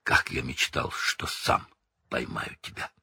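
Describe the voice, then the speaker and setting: A man's voice: sits low, lively intonation, fairly bright tone, breathy edge, no echo, clean studio sound, exaggerated voice. A man voicing a cold, vengeful middle-aged male professor who hisses and drawls menacingly, in a storybook reading. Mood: menacing gloat. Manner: hissing, menacing, slow drawl.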